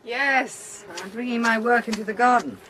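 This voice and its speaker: A woman's voice: on the high side, moderate pace, fairly bright tone, close to an everyday voice, poor audio. An actress playing a genteel, lonely and insistent lady of the house in a radio horror play, with a hesitant, theatrical manner. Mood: brightly composed.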